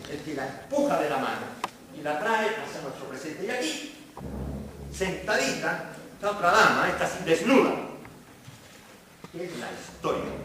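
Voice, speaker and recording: A man giving an academic lecture as a professor, posing rhetorical questions and answering them himself with theatrical emphasis. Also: fairly high pitch. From Spain. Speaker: history professor, guest speaker. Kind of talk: academic lecture delivered to a live audience. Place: indoor seminar hall. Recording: echoey room, distant mic, noisy background.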